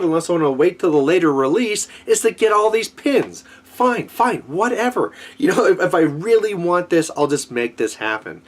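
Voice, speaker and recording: A man with a somewhat high voice delivers a casual vlog rant about his gripes. He sounds exasperated and conversational, rambling along as he complains to his viewers. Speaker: gaming hobby vlogger.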